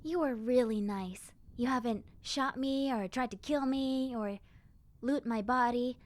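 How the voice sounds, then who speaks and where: High-voiced friendly zombie girl played by a woman. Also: a little slow, dry recording, natural voice. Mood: grateful, warm. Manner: casual, chatty, conversational, girlish. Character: friendly, chatty, lonely young zombie girl. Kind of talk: scripted audio roleplay, speaking to the listener.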